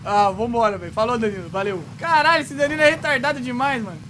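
A man with a Brazilian Portuguese accent streaming a battle royale game, shouting rapid calls and swearing often. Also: very high voice, faint music behind. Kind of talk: excited gaming chatter with friends. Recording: noisy game-audio background.

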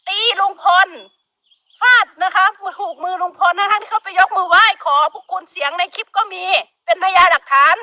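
A middle-aged woman with an Isan accent scolds in a very high, bright voice during a heated live-stream rant. She talks outdoors in the countryside, with animals and outdoor noise faintly behind her. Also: fairly even intonation, normal speed, dry recording. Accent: Northeastern Thai (Isan). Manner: scolding, emphatic, frequent laughter, Isan dialect words.

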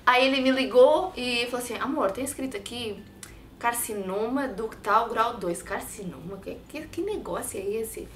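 A woman in her thirties with a European Portuguese accent, telling her personal story in an expressive, hand-gesturing way in a sit-down studio interview on a lapel mic. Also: on the high side, moderate pace, echoey room, slight background noise. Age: 30s. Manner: expressive, talks with her hands. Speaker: interview guest. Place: bright studio set with sofa and shelves.

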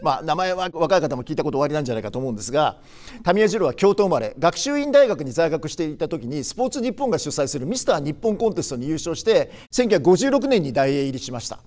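A man in his sixties hosting a show, explaining film history in a chatty way with many short filler pauses. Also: on the high side, very animated, a little mellow. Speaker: film commentary host. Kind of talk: casual film commentary.

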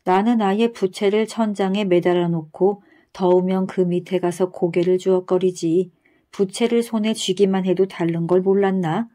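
A woman's voice: mid-range voice, fairly even intonation, normal speed, dark tone, natural voice. A woman voicing a boastful, stingy male miser from a folktale, speaking in an old-fashioned way.

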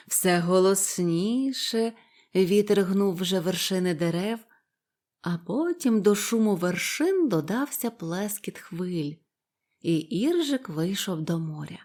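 A woman narrating a bedtime fairy tale in a calm, unhurried way. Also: mid-range voice.

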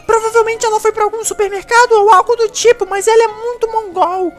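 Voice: extremely high pitch, steady tone, a little fast. A performer voicing a cheeky, thieving male mouse, whiny and exasperated, in a Minecraft role-play. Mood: indignant.

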